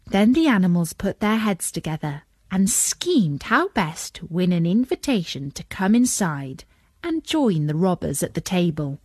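Female children's storyteller: expressive, animated intonation, unhurried pace, music behind. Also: lowish voice, husky, dry recording, clean studio sound. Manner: expressive, dramatic. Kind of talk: scripted children's story narration.

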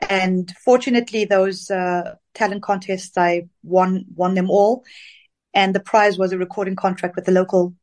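A woman's voice: medium pitch, steady tone, normal speed, darkish tone. Chatty woman singer from Zambia. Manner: chatty, rambling with fillers. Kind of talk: casual interview.

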